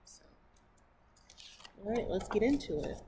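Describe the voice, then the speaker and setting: At a children's storytime, a middle-aged American library reader shares a picture book in an unhurried, medium-pitched voice, full of excited exclamations and friendly side comments. She's indoors in front of a painted mural, and steady background noise is clearly audible.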